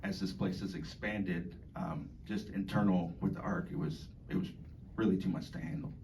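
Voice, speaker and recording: Low-voiced man speaking from far off. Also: fairly even intonation, a little mellow. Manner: halting, many fillers and restarts, laughs between points. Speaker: dining staff member speaking to residents. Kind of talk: informal speech to an audience. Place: community hall. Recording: far from the mic, faint background noise.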